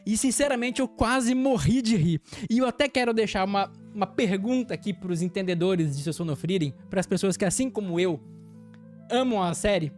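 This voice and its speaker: Faint music plays behind a Brazilian Portuguese-accented woman as she recaps an anime episode for her channel. Her voice is medium in pitch and her pace moderate, and she keeps things lively and chatty, with frequent laughter.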